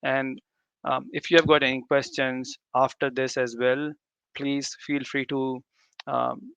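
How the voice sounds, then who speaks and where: Smooth-voiced man presenting, native Urdu speaker. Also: mid-range voice, little pitch movement, a little slow, a bit bright, dry recording, low-quality recording. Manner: informal, often repeating and rephrasing himself. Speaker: tech presenter. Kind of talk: live demo talk to developers.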